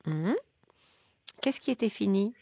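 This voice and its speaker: Une femme jouant une psychothérapiste de radio exubérante et maladroite, à la voix soufflée et râpeuse. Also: female voice, medium pitch, expressive, unhurried, gravelly, mellow, slightly rough, no room sound, full character voice. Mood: effusive. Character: gushing, tactless female radio psychotherapist. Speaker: psychotherapist host of a call-in show. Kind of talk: scripted comedy sketch.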